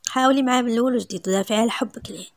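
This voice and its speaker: A woman voicing a gentle middle-aged father who soothes his daughter, with a Moroccan accent. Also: on the high side, racing, no room sound, lightly acted. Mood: reassuring.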